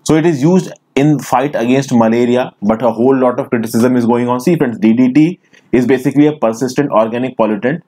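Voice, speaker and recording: A man with an Indian English accent teaches a recorded screen lecture, walking through the material step by step and often addressing his listeners as friends. His voice is mid-range and mellow, and he talks a little fast.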